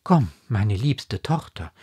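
A man's voice: lowish voice, sing-song, slow, dark tone, slightly rough, heavily acted. A man voicing a proud aristocratic mother in a classic novella reading, exclaiming in stern, elevated phrases. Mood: anxious. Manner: indignant, exclaiming, elevated diction.

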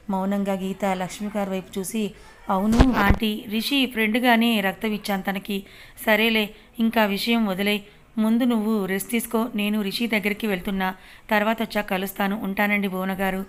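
Female story reader, brisk delivery, even tone, does all the parts herself. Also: medium pitch, a little hiss or hum. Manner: reads every character's lines in her own voice. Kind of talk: reading a family drama story aloud.

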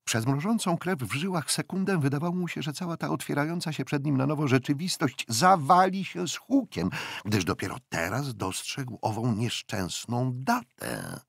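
A man narrating an audiobook with an expressive, dramatic reading. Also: mid-range voice, normal speed, gravelly, breathy edge, no echo, studio quality. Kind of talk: scripted narration. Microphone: studio microphone.

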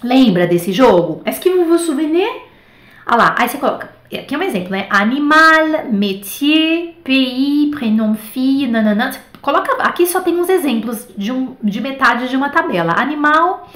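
A woman's voice: high voice, normal speed, reverberant. A Brazilian woman giving a casual, chatty online French lesson, peppering her talk with little fillers. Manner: chatty, animated, many fillers like tá and né. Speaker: French teacher.

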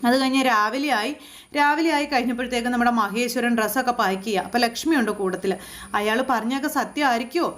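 High, rapid-talking woman recapping a serial. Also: slight background noise. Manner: chatty and animated, addresses the listener directly. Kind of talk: casual spoken retelling of a TV serial episode.

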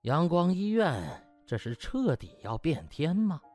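Very animated male audiobook storyteller. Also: a little high, unhurried. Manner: theatrical, with rhetorical questions and exclamations. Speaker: audiobook narrator. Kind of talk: dramatic, colloquial Chinese storytelling. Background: background music.

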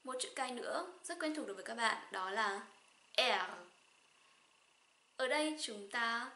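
A young woman from Vietnam with a Northern Vietnamese accent, teaching a slow pronunciation lesson and saying each example word twice. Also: on the high side, lively intonation, bright, forceful tone, reverberant. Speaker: German teacher.

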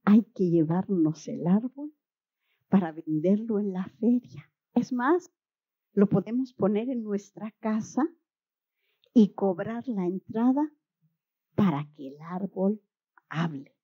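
Woman doing a greedy schoolboy, eager and excited, storybook voice, husky, lo-fi. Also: medium pitch, slow, long pauses. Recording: dull lo-fi recording.

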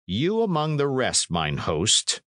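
A man plays a lordly knight from a historical storybook, dry and coldly mocking. He speaks slowly and with menace, giving commands in archaic phrases, the pitch moving widely. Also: wildly swooping pitch, a bit bright, no room sound, heavily acted. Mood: commanding, threatening.

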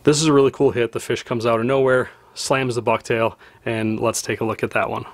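A man's voice: medium pitch, level tone, fairly quick, no echo. A man in his thirties, a fishing channel host, narrating footage in a conversational, descriptive way into a close mic indoors.

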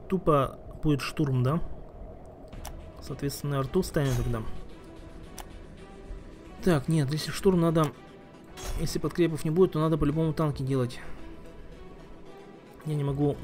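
A man's voice: fairly high pitch, darkish tone. Man muttering over a strategy game. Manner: thinking aloud, with restarts and muttered asides. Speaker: game streamer. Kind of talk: casual gameplay commentary.

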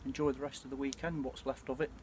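A British man in his forties chatting casually and reflectively to camera, with a hesitant, throat-clearing delivery. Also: medium pitch, level tone, fast. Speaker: bushcraft vlogger. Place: outdoors at night by a small campfire. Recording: clear ambient noise of an outdoor campfire.

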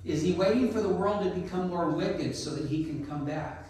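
Loud folksy man in an echoey hall. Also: high voice, moderate pace, crowd noise. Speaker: church speaker. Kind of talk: informal sermon talk. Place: church sanctuary. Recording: echoey church hall, distant mic.

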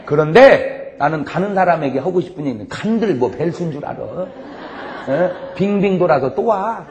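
A man preaching in a large church hall, his lively, swooping voice riding a long reverb. He tells stories with laughter and bursts into punchlines. A faint hiss sits under the recording. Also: fairly high pitch, normal speed. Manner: animated storytelling with frequent laughs and shouted punchlines. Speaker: pastor. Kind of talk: humorous revival sermon.

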